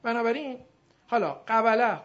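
A male teacher giving a classroom grammar lesson, drilling his students and drawing out example words slowly. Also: very high-pitched, expressive, a bit bright. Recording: dull lo-fi recording.

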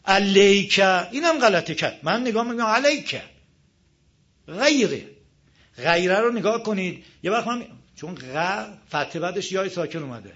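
High-voiced man teaching a recitation class. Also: lively intonation, hardly any pauses, fairly bright tone. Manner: patient, repeats rules, models pronunciations. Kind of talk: live class lecture on tajweed. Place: classroom with a board. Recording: dull lo-fi classroom recording.

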